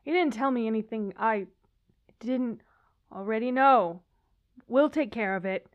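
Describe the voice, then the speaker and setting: A woman playing an impatient, sharp-tongued young female ghost hunter who snaps and scolds. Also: fairly high pitch, unhurried, highs cut off, lightly acted. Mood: exasperated. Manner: exasperated, snappy.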